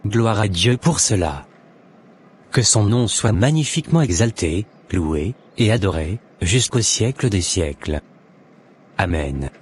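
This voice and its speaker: A man's voice: fairly low pitch, lively intonation, slow pace, breathy edge, full character voice. A man voicing an earnest, devout Christian convert in a cartoon, speaking in a solemn, exhorting, formal way. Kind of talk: scripted Christian animation dialogue and preaching.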